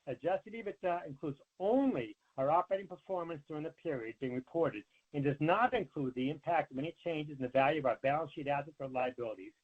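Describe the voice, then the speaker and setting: A man, a company finance executive, reading prepared earnings remarks in a formal, measured way over a conference call line. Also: on the high side. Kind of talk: scripted earnings call presentation. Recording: narrow, tinny conference phone line.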